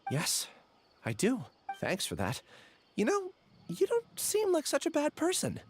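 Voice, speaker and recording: A man voicing a gentle, apologetic young scholar in an anime-style video game, polite and hesitant. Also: very high-pitched, wildly swooping pitch, measured pace, a little hiss or hum, exaggerated voice. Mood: reflective.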